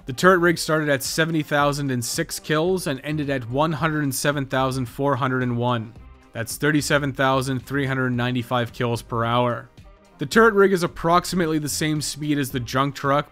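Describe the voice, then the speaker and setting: A man's voice: mid-range voice, fairly bright tone. A man narrating a scripted video game guide in a matter-of-fact way, with dry, wry asides. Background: background music.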